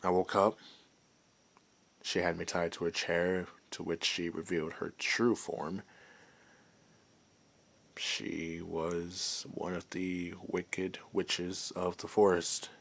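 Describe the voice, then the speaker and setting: A man voicing a friendly, gentle werewolf and former adventurer in an intimate ASMR roleplay, chatting in a hesitant, softly amused way. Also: low-pitched, level tone, slow pace, creaky, long pauses, exaggerated voice. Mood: hesitant, reflective.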